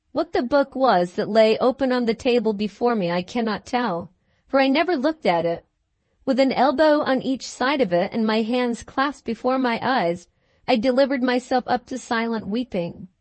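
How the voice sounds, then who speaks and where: A woman narrating a classic novel as an audiobook in a measured, even reading voice. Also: on the high side, no room sound. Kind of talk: scripted narration.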